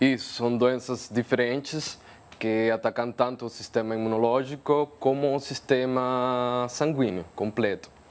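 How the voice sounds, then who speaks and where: A man speaks at a fairly slow pace, his loudness very even, his pitch medium and his intonation fairly flat. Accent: Venezuelan. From Venezuela. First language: Spanish (speaking Portuguese). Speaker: veterinarian. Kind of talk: TV interview.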